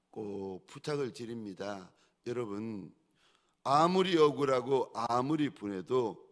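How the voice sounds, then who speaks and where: Impassioned Korean pastor, very lively pitch. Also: male voice. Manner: swings between hushed pleading and loud exhortation; repetitive, rhetorical questions to the congregation. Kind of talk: sermon.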